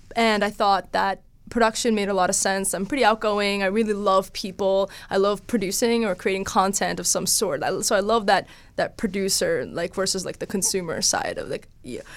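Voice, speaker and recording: Speaking with an American accent, a woman has an unremarkable speaking voice at medium pitch. Her pace is moderate and her intonation fairly even. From Brooklyn, New York. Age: 30s. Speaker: startup founder. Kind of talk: interview.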